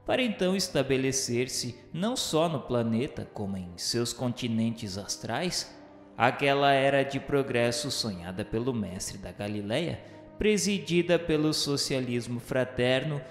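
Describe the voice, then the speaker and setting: A man's voice: mid-range voice, expressive, measured pace. Man as a solemn, echoing radio-novel narrator. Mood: solemn, exhortatory. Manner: grandiloquent, solemn, oratorical. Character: solemn, reverent male memoirist, a repentant soul recalling the afterlife. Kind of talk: dramatic scripted literary narration. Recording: very reverberant hall sound with music.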